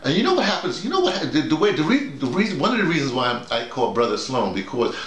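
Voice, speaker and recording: His voice on the high side, very animated and a bit bright, a middle-aged or older workshop leader and radio drama teacher explains something informally to colleagues. He halts and repeats words constantly with teacherly emphasis. He's seated in a small, bare-walled room that echoes, with slight background noise.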